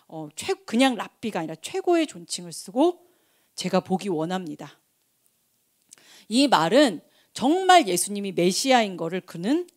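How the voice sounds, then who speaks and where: A woman preaching a sermon, telling a Bible story with lively acted-out shouts and quoted dialogue. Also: mid-range voice.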